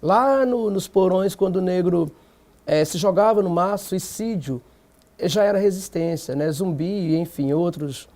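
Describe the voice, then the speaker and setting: High-voiced Brazilian man debating. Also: measured pace, darkish tone. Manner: emphatic, rhetorical questions. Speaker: black movement activist guest. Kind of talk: TV panel debate.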